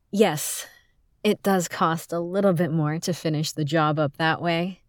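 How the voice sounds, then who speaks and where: A woman playing a smooth-talking, polite service technician. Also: no room sound, studio quality, natural voice. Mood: pleased teasing. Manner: smooth customer-service sales pitch, addresses listener as sir. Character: polite, teasing female service technician, adult. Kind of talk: audio roleplay.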